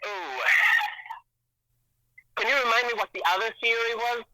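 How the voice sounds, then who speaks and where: A man's voice: very high-pitched, expressive, moderate pace, gravelly, bright, forceful tone, dry recording, rough recording. A man whose first language is Hebrew, explaining word meanings in a casual chat over a call, thoughtful and hesitant with many restarts. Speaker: guest language expert.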